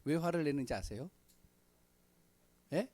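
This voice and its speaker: Middle-aged guy preaching a sermon, lively up-and-down voice, clears his throat a lot, casual talky style. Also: on the high side, measured pace, dry recording. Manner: conversational, with frequent fillers and throat clearing. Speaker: pastor. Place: church sanctuary.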